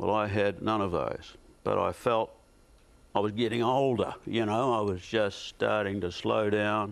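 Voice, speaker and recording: A man with a fairly low pitch speaks with a New Zealand accent. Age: 60s. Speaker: heart patient, motel owner. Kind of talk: TV interview. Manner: enthusiastic, animated.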